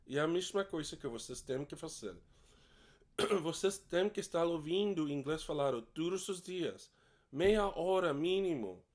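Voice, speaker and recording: A man who is a native English speaker, with a learner's accent in Portuguese, teaching a casual bilingual lesson in a direct, encouraging way and repeating each point in both languages. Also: a little high.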